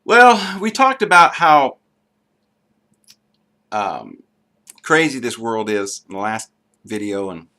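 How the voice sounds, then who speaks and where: Bright-voiced man preaching a monologue. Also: on the low side. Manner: earnest, preachy, with frequent ums and restarts. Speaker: video blogger. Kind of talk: unscripted monologue to camera.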